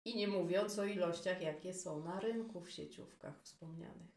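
A woman's voice: on the low side, moderate pace, darkish tone, far from the mic. A woman guest who runs a fashion business, talking casually and hesitantly with many fillers. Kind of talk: casual conversational interview. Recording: roomy echo, speaker off-mic.

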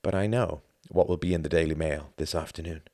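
A man voicing a grey-haired older German man who is secretive, weary and grave, with a measured way of talking. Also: rumbling low, a little mellow, dry recording, studio quality.

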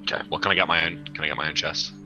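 A man's voice: extremely low pitch, fairly even intonation, racing, creaky, pushed and bright, lo-fi sound, faint music behind. A British man playing in a livestreamed tabletop game, chatting casually, swearing freely and stumbling over his words. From United Kingdom. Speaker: player.

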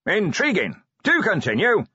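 A man voicing a loud, booming, jovial old wizard who runs a university, hearty and exclamatory in an audiobook. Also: wildly swooping pitch, normal speed, slightly rough, no echo, highs cut off, heavily acted. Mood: intrigued, hearty.

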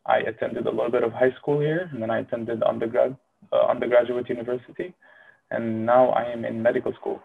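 A man's voice: medium pitch, little pitch movement, a little fast, vocal fry, breathy edge, narrow, tinny audio. A young man in his early twenties from Syria, with a Syrian Arabic accent, rambling casually through a monologue with many fillers. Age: early 20s. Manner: rambling, filler-heavy, self-deprecating. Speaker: medical student vlogger.

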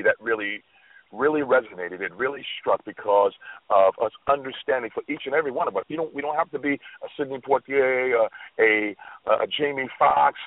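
A man's voice: mid-range voice, no echo. A man co-hosting a radio talk show, telling a story and reflecting on it earnestly, with frequent restarts. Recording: tinny phone line.

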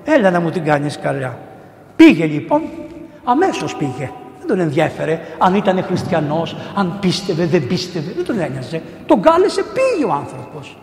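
A middle-aged male priest delivers a storytelling sermon, slipping into the voices of the people in his tales. His voice sits high and moves in wide, animated swings. The sound carries the long reverb of a large church. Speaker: priest and missionary preacher. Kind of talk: sermon retelling saints' stories.

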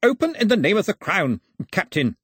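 A man voicing an imperious, impatient gentleman of the Crown in a formal, commanding, clipped manner for an audiobook. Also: high voice, sing-song, a little fast, husky, no echo, clean studio sound, voice pushed up, exaggerated voice. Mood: loud, exasperated.

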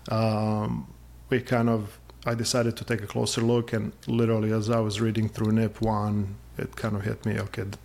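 A man's voice: lowish voice, vocal fry, darkish tone. A man in his forties from Serbia, chatting casually as an interview guest, with lots of fillers and a self-deprecating humor.

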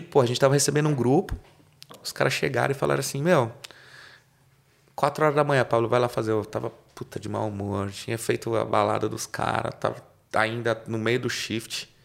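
A man's voice: mid-range voice, gravelly. A man from Brazil telling stories as a podcast guest in casual slangy talk, acting out quoted dialogue. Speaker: podcast guest, car salesman. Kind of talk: casual storytelling.

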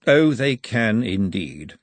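A man voicing a cool, cynical male tyrant in an audiobook, dry, measured and deadpan with a husky tone. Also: lowish voice, no echo, exaggerated voice. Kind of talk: audiobook character voice.

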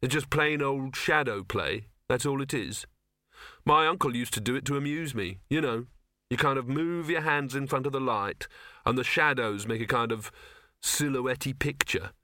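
A man's voice: mid-range voice, moderate pace, sharp tone, no echo, studio quality, natural voice. A man voicing a polite, wary young student in a storybook, with an unimpressed, questioning manner.

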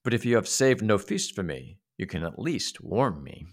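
A man voicing a grumpy, greedy little old man who shouts and demands. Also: big pitch swings, moderate pace, husky. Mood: grumbling demanding. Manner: high, blustering, demanding.

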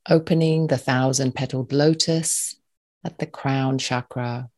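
In a calm, mid-range voice, a meditation guide leads listeners with slow, gentle instructions broken into brief, spaced-out phrases.

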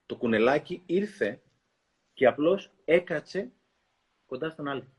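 A man hosting a talk, reading a children's book aloud in an expressive storytelling way and pausing to comment. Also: a little high, slightly rough. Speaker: host.

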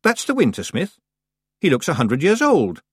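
An earnest young witch girl from a storybook, played by a man. Her voice is light and high with lively swings in pitch and an indignant edge, in a dry recording. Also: normal speed, slightly rough, no echo, exaggerated voice. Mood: puzzled. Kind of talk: acted storybook dialogue.

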